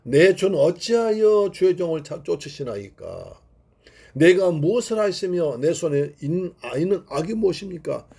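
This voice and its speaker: An earnest young warrior who has been wronged speaks in solemn biblical phrasing, as a preacher acts him out in a sermon. The man's voice is gravelly and husky, with a dark tone. His pitch swings widely as he presses his case. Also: big pitch swings, moderate pace, exaggerated voice. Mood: pleading. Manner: solemn biblical-style address, rebuking then pleading. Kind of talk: dramatized scripture quotation in a sermon.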